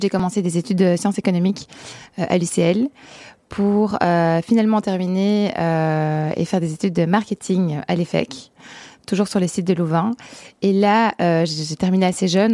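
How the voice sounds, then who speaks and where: A soft-spoken young woman from Belgium talks about her studies and career as a guest. Her voice is low-pitched and mellow, recorded dry and close. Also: no echo. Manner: soft-spoken, frequent "euh" fillers. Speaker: guest entrepreneur. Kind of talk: interview answers.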